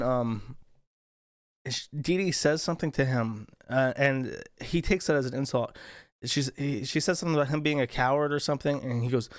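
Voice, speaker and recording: A man chatting casually, winding through a rambling, profane story. His pitch sits mid-range. The sound is close and dry. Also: dry recording. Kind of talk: casual chat.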